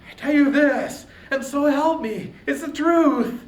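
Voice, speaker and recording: A man's voice: very high voice, takes it slowly, voice pushed up. A man voicing a proud, wrathful warrior in an epic tale, with impassioned, declamatory delivery. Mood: outraged. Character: proud, wrathful young male warrior, fiery and passionate. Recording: roomy echo, faint background noise.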